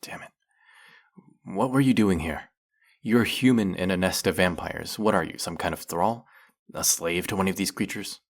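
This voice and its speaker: A man playing a centuries-old, brooding vampire hunter in an audio roleplay, questioning with measured, wry menace. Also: deep voice. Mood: suspicious, demanding. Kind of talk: dramatic audio roleplay, addressing the listener.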